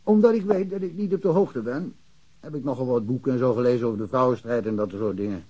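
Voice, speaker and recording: Male actor, middle-aged police chief, radio play, mellow, husky, candid, wry bachelor. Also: medium pitch, fast, dull audio, close to an everyday voice. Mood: earnest. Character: frank provincial police chief, chatty lifelong bachelor. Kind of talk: naturalistic radio drama dialogue.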